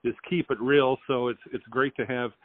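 A man's voice: medium pitch, fairly even intonation, normal speed. A man hosting a casual local radio interview and podcast. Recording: tinny phone-like sound.

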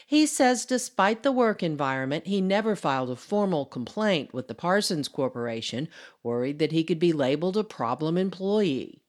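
A woman reporting for radio news, reading her script in a crisp, steady voice. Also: low-pitched.

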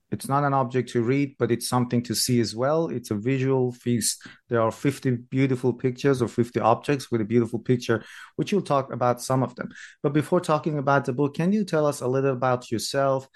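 Guy hosting an interview podcast, mid-range voice. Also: medium pitch. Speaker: podcast host.

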